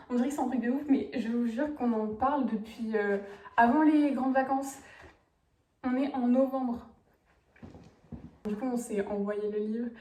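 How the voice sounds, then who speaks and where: A woman chats to her camera as a booktuber, gushing and bubbly, with English slang mixed in. Her voice sits a little high and soft-toned. She is heard from a distance in a roomy, echoing space. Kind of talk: casual chat to camera.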